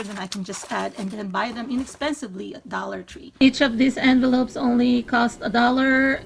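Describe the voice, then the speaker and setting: A woman in her fifties with a naturally husky, allergy-hoarse voice, chatting through a craft tutorial step by step. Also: on the high side, a little hiss or hum, poor audio. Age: 50s. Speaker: craft channel host. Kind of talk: casual DIY tutorial. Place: craft room in a home loft.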